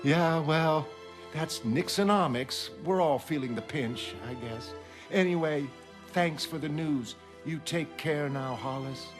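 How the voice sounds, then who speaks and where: A man's voice: on the high side, measured pace, close to an everyday voice. A man voicing a teasing, worldly older woman, a retired heroine chatting on the phone. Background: music.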